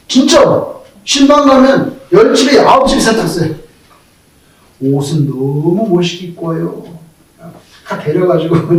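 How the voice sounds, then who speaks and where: A male pastor preaching a sermon, telling stories in an animated way and acting out the quoted speech of the people in them. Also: high-pitched. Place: church sanctuary. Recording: very echoey hall, voice from far off.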